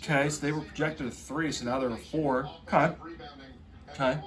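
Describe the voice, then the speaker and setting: A man talking like an excitable frat bro, hosting a casual, off-the-cuff sports reaction full of slangy asides. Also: on the high side, moderate pace. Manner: excitable frat-bro talk, heavy on "bro" and "dude". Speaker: host reacting to a tournament bracket.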